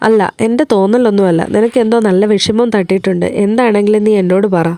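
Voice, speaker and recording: A woman's voice: mid-range voice, steady tone, fast, mellow, no echo, lightly acted. Woman voicing a stern old grandmother. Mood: probing. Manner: firm, scolding.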